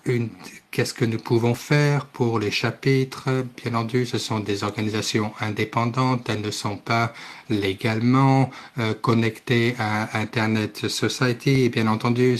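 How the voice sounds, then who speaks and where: A man interpreting live at a formal meeting, speaking haltingly as he searches for words and corrects himself. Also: mid-range voice. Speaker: simultaneous interpreter.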